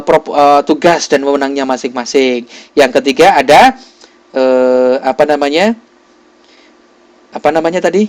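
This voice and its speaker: A man teaching a class in casual speech, acting out little example dialogues and often searching for words. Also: mid-range voice. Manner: chatty, acts out example dialogues, many fillers.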